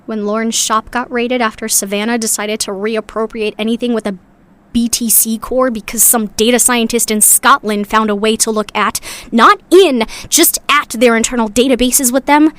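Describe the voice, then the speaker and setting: Woman acting high-voiced, earnest underground sci-fi woman. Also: moderate pace, fairly bright tone, natural voice. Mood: sad, earnest. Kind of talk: audio drama monologue.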